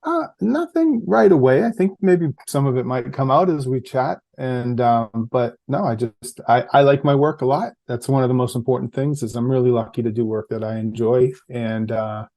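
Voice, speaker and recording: A middle-aged man with a central Massachusetts accent, a guest in a casual interview, talking reflectively and easily with fillers and soft laughs. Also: mid-range voice, moderate pace, gravelly, hardly any pauses. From Massachusetts, USA. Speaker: podcast guest, public health researcher.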